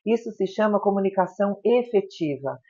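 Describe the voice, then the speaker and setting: A woman psychologist, a guest on a talk show, explaining advice in a calm, measured way. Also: mid-range voice, dull audio.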